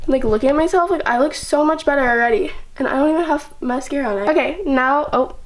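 Teenage girl, slightly high voice, casual rambling vlog chat, sick with a cold, close camera mic, bedroom. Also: quick pace, slight background noise. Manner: rambling, heavy use of "like". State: sick with a cold and sore throat. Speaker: vlogger. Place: bedroom indoors. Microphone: camera mic close in front of speaker.

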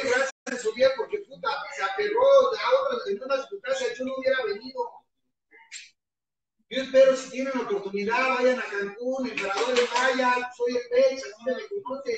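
A man with a Mexican accent pours out a raw, profanity-filled testimony, his voice cracking with emotion. He sits high in pitch and sounds distant from the mic. The long echo of a meeting hall and a listening crowd surround his words. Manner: heavily profane, impassioned, voice often breaking. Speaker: recovering alcoholic giving testimony. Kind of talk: impassioned testimony at a support-group meeting. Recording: echoey hall, mic far off, crowd behind.

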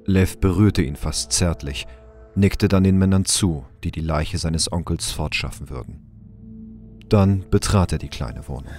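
A man's voice: sits low, unhurried, a little mellow, faint music behind. A man narrating a scripted science fiction crime audio drama. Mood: calm narrating. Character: male storyteller of a sci-fi crime drama.

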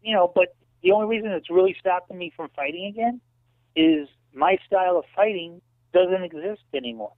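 A man in his late fifties, a guest in a casual interview, telling animated stories and often saying "you know". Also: high voice, fairly quick, no echo. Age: 50s. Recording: tinny dry phone line.

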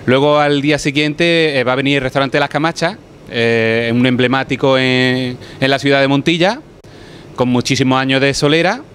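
Middle-aged chef explaining calmly. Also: male voice, medium pitch, moderate pace, a little hiss or hum. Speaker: head chef. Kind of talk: casual interview. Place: restaurant kitchen, indoors. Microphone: handheld reporter mic.

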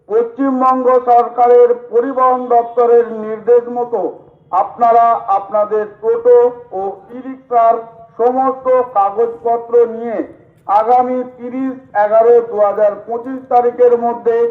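A man reading a formal scripted public announcement in a PA system manner. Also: very high voice. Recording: echoey, slightly muffled PA recording.

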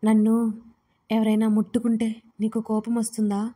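A frightened young woman speaks in a hushed, broken voice, close to tears, as a female storyteller puts her on. Her voice sits fairly high and dark, with very little rise and fall. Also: monotone, husky. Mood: anxious. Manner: soft, halting, tearful. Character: young woman, distressed and fragile.

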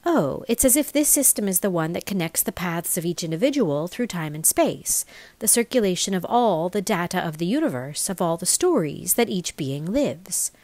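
A woman reading a scripted explainer aloud as a voice-over narrator, with measured enunciation. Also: lowish voice, big pitch swings, darkish tone, no room sound. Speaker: voice-over reader.

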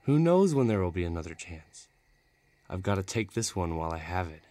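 A man's voice: low voice, big pitch swings, a little fast, dark tone, dry recording. A man playing a menacing, bloodthirsty villain who taunts and threatens in an audio roleplay. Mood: taunting, eager. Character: menacing bloodthirsty male villain craving a duel.

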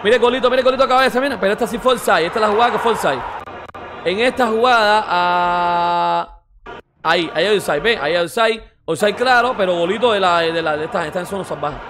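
Fast, high-voiced mocking man. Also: background noise. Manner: mocking, repeats exclamations, swears, rapid rants. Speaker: football reaction streamer. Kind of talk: casual mocking reaction commentary.

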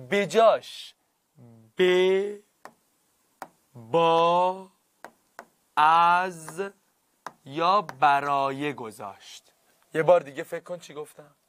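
A man with a slightly high voice teaches a grammar lesson in a classroom. He stretches key words out slowly for emphasis and frequently checks that his students are keeping up.

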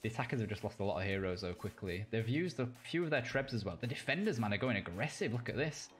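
A young British man casting a live video game match, reacting quickly and cracking jokes between calls. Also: fairly low pitch, lively intonation, faint music behind. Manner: quick reactive play-by-play, jokey asides. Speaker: caster. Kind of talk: live esports play-by-play commentary.

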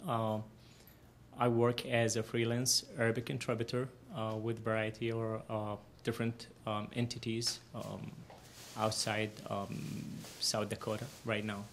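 A man's voice: on the low side, flat delivery, unhurried, slight background noise. A man in his fifties from Iraq introducing himself as a panel guest, hesitating with many ums, on a handheld mic in a classroom. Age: 50s.

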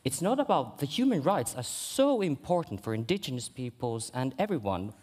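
A young Sami man speaking on a stage panel in a slow, deliberate way. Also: medium pitch, big pitch swings, a little mellow. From Sami region. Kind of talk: panel discussion. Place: large stage hall. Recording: long hall reverb.

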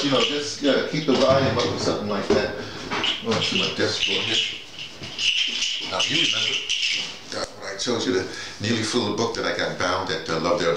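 Speaking off the cuff for a vlog, this middle-aged man, a playwright and audio drama director, presents his writing in a low-pitched voice, stopping and starting, repeating himself and straying off topic. He's indoors in a small office with bare walls, recorded by a camera mic several feet off, and the audio is echoey, distant and noisy.

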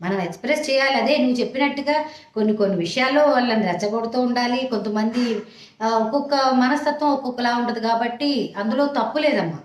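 A woman's voice: a little high, quick pace. A woman giving frank relationship advice to young wives in a motherly way, often checking that listeners understand. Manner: motherly, addresses listeners as "amma". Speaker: advice channel host. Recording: echoey room.

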